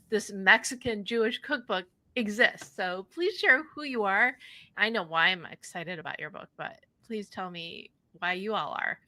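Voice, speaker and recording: A woman's voice: mid-range voice, pushed and bright. A woman hosting an interview show, introducing and questioning her guests. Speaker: podcast host.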